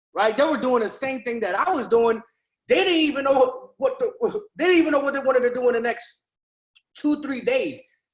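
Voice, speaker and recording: In an extremely high pitch for a man, an animated man with an American accent speaks with ordinary pitch variation and long, frequent pauses. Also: fairly quick pace. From US South, New Orleans, Louisiana. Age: 20s. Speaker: motivational speaker. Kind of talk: motivational talk. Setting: live stream.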